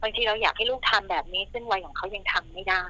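A woman speaking gently and explaining parenting tips in a casual podcast chat, now and then acting out short quoted lines. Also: mid-range voice, racing, low-quality recording. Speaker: parenting expert guest.

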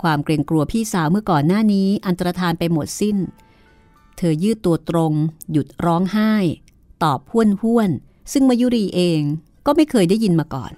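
A woman narrating a horror novel in a low, even storytelling voice. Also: normal speed, no room sound, soft background music. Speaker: audiobook narrator.

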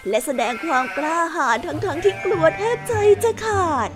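Young woman, high voice, storybook narration for kids, sweet and expressive, kids' music playing. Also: moderate pace. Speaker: children's storytelling host. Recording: children's music behind.

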